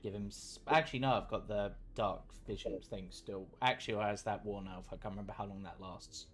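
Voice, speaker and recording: A man's voice: fairly low pitch, fairly even intonation, brisk. A man chatting casually as a player in a tabletop role-playing game, thinking through his moves.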